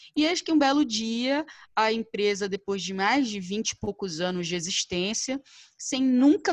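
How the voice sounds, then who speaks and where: A woman talks in a normal speaking voice, fairly high in pitch with ordinary pitch variation. She speaks at a moderate pace against a quiet background. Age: 30s. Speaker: intellectual property lawyer. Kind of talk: interview.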